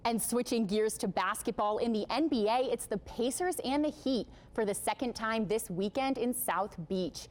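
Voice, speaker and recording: A woman's voice: on the high side, normal speed, hardly any pauses, a little mellow. A woman with an American accent reading a scripted sportscast as anchor.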